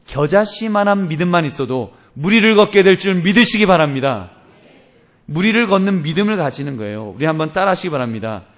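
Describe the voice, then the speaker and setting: Animated Korean pastor preaching. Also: male voice, high-pitched, a little fast. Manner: animated storytelling, acting out voices in quotes; direct address to congregation, calls for amen. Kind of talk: sermon.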